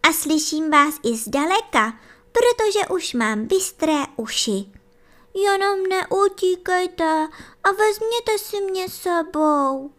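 A woman voicing a timid little male bunny who begs his mother in a high, pleading voice. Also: animated, a bit bright. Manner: high crying calls, eager pleading.

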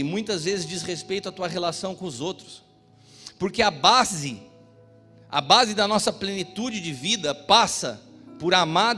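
High-voiced Brazilian pastor preaching in a reverberant hall. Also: male voice. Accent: Brazilian Portuguese. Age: middle-aged. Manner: impassioned, shifts between loud exhortation and quiet storytelling. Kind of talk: sermon with personal stories. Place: church. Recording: reverberant church hall with music.

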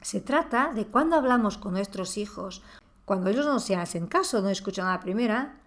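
A woman's voice: medium pitch, animated, brisk. A woman talking through a reflective monologue on parenting, asking the listener rhetorical questions. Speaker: parenting podcast host.

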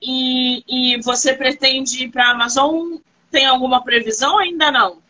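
On dull-sounding audio, a woman with a high-pitched voice speaks a little slowly as she hosts a live-stream interview. She is an author, animated and reassuring, moving between asking questions and telling stories.

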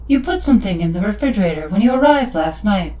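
A woman's voice: mid-range voice, animated, fast, mellow, close to an everyday voice, poor audio. A woman playing a formal, literal-minded shipboard computer assistant in an audio drama, speaking precisely. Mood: formal, dutiful.

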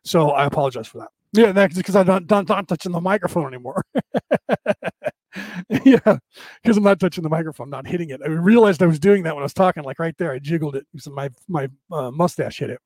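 Man, middle-aged, rough odd-sounding voice, rambling livestream host, slightly high, dry sound. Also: brisk, a little mellow, dry recording. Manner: rambling, many restarts and fillers. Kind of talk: casual spiritual talk to a live audience.

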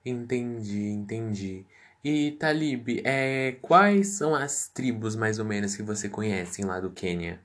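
A man hosting a podcast interview, asking questions slowly with hesitant fillers. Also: lowish voice, lively intonation, a bit bright.

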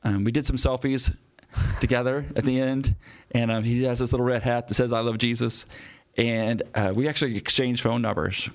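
A man in his thirties recounts a personal story in an interview. He talks earnestly at a medium pitch. He acts out what people said, with lively jumps in his voice. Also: moderate pace. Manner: earnest, animated retelling with acted-out quotes. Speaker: police officer.

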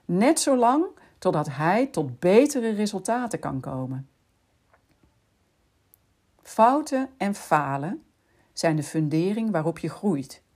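A woman hosting a podcast, calmly explaining in scripted narration and speaking directly to the listener. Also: fairly low pitch, unhurried, slightly rough. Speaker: podcast host.

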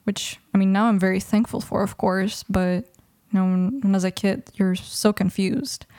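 A woman's voice: medium pitch, steady tone, normal speed, darkish tone, no echo, clean studio sound. A woman of twenty, raised in Mexico with Russian as her first language, talking thoughtfully in a casual interview with many restarts. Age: 20s. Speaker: guest.

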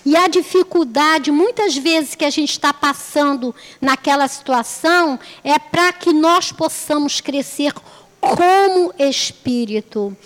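A woman's voice: high-pitched, a bit bright, long reverb tail. A woman giving a religious talk, telling stories in a chatty way, repeating phrases and asking rhetorical questions. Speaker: lay speaker at a spiritist center.

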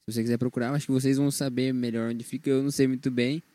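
A man's voice: mid-range voice, flat delivery, very fast, dark tone, dry recording. A man with a Brazilian Portuguese accent, co-hosting a casual Christian podcast and speaking modestly about his own shyness. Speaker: podcast co-host.

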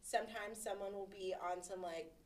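At normal speed and with fairly even intonation in a medium pitch, this twenty-something law student speaks as a podcast co-host. Her casual chat features candid, sarcastic storytelling.

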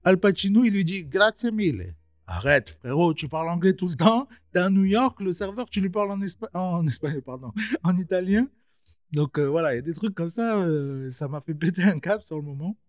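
A man's voice: high-pitched, lively intonation, a little fast, a little mellow, dry recording, studio quality, faint music behind. A young man giving a casual film review, slangy and chatty, talking straight to his viewers.

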